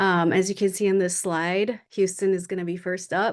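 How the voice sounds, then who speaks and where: With an American accent, a woman uses an ordinary speaking voice at a medium pitch and a moderate pace. The background is quiet. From Brazil, raised in the US from young age. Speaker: activist organizer. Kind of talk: presentation on a video call. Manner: frequent filler 'um'.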